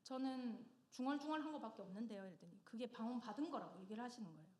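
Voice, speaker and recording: A middle-aged woman giving a personal testimony in church, telling her story with lively humor and frequent laughter. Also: fairly high pitch, very fast. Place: church sanctuary. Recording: echoey church hall.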